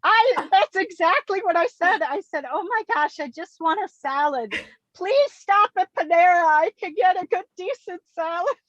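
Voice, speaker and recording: A woman's voice: extremely high pitch, lively intonation, normal speed, fairly bright tone, dry recording. A sixty-year-old woman, an enthusiastic, giggly interview guest chatting casually from inside a car on a remote call. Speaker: interview guest, kindergarten teacher. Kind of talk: casual, animated chat. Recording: dull, close, lo-fi call audio.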